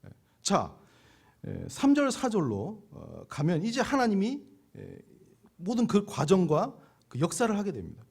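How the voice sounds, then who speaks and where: A middle-aged pastor preaching with a high, ringing voice. His pitch leaps and drops all over as he moves between forceful exhortation and quiet, confiding stories. The delivery feels heartfelt and sermon-like. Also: a little slow, vocal fry, breathy edge. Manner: preaches in lively swings from loud exhortation to hushed storytelling.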